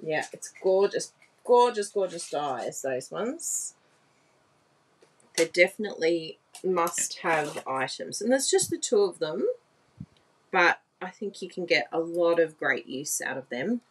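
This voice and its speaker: A woman in her forties talks viewers through a craft project at her desk, laughing and gasping with delight as she goes. Her voice sits low but swings widely, and she talks at an unhurried pace with a slightly husky edge. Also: animated, low-quality recording. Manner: bubbly, exclaims and laughs often, asks viewers for agreement. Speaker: papercraft demonstrator. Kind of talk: live craft demonstration chat. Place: indoor craft room at a desk.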